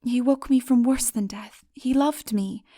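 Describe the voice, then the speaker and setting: A woman voicing a tender, devoted lady in a fairy-tale audiobook, with breathy, impassioned courtly speech. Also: on the high side, measured pace, mellow, no echo, clean studio sound, voice pushed up. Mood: ardent love.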